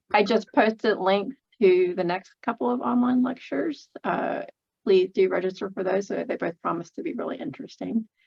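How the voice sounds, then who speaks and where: A woman's unremarkable speaking voice, at a moderate pace with lively intonation. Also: medium pitch for a woman. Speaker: lecture series moderator. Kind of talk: closing remarks of online lecture.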